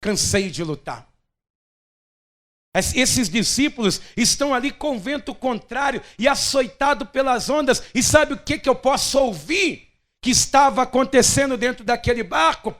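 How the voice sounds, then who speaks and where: A man's voice: extremely high pitch, normal speed, a bit bright. A man preaching an emphatic, dramatic sermon as pastor.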